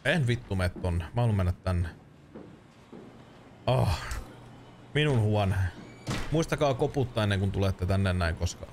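Thirties man streamer, rambling and joking, lots of swearing, animated voice. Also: lowish voice, pauses often, background noise. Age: 30s. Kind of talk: casual let's-play commentary.

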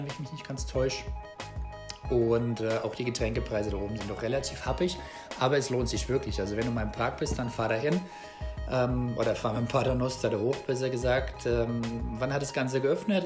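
A relaxed, chatty man in his thirties speaks straight to the camera from a small indoor room, his pitch sitting in an ordinary middle range. He rambles a little, restarting phrases and filling pauses as he goes. Clear background music plays underneath his voice. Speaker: travel vlogger. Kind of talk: casual travel vlog to camera.

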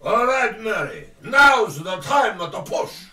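An actor playing a brash, bossy mob boss who laughs and barks orders in a comedic audio drama, recorded off-mic in an echoey room. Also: male voice, sits high, very animated, slow pace, sharp tone, recorded from a distance, a little hiss or hum, full character voice. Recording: roomy echo, off-mic.

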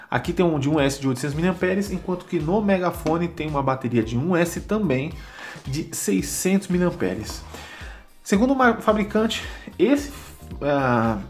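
A man with a Brazilian Portuguese accent giving a casual, informal product demonstration, often adding short tag questions as he goes. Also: fairly high pitch. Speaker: product reviewer and drone vlogger.

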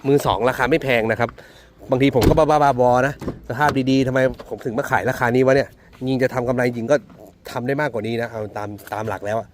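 In this relaxed car vlog, a used car dealer with a Central Thai accent walks viewers through the interior, his mid-range voice fairly even and a little fast amid background noise. Chatty and self-mocking, he speaks to the audience as older siblings.

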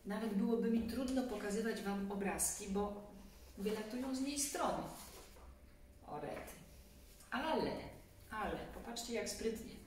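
A woman's voice: medium pitch, a little slow, long pauses. A woman in her forties reading a children's story expressively, with casual asides to her young listeners. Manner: expressive, addresses children directly. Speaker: storybook reader. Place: small indoor room, seated on a sofa. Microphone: camera a few metres away. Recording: very echoey room, distant mic, faint noise.

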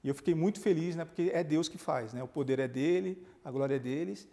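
Speaking in what sounds like a large hall, a man with a creaky voice on the high side talks a little fast. He is a pastor sharing his testimony on a TV interview, animatedly recounting events and performing the quoted dialogue.

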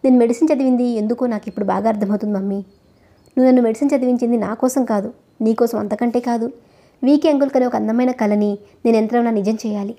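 A woman's voice: on the high side, steady tone, fast, mellow, natural voice. A woman reading as a defiant young doctor son. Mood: angry. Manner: bitter, scornful retorts.

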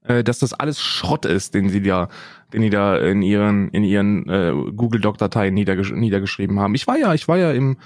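A man's voice: fairly low pitch, animated, a little fast, darkish tone, dry recording, clean studio sound. A man co-hosting a casual podcast, rambling with many restarts. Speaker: podcast co-host. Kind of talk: casual chat.

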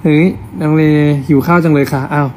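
A man's voice: fairly high pitch, steady tone, a little fast, darkish tone, slight background noise. A young man on a casual live stream, chatting affectionately as he reads out fan comments. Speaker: actor hosting an Instagram live.

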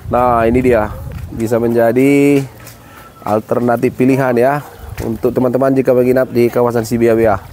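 A man in his forties narrates a travel vlog outdoors in a relaxed, friendly way, exclaiming now and then at the scenery. His voice sits at an ordinary pitch for a man. It is caught on a handheld phone, with faint traffic and outdoor sound behind him. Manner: friendly, unhurried, exclaims at the views. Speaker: travel vlogger. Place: outdoors by a lake. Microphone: phone at arm's length.

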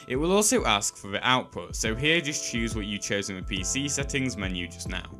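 A man's voice: lowish voice, lively intonation, a little fast, bright, forceful tone. A man reads scripted step-by-step instructions as a tutorial host, with emphatic sing-song phrasing that drops at sentence ends. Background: background music.

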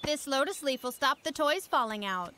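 A woman's voice: high-pitched, expressive, moderate pace, pushed and bright, a little hiss or hum. A woman voicing an eager, take-charge young bear cub in a children's cartoon. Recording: music behind.

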